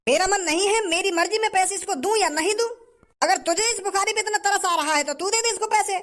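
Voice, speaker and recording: Man doing a squeaky stingy shopkeeper. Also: fast, bright, forceful tone. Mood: defiant. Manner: scornful, rustic dialect. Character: stingy rude male shopkeeper.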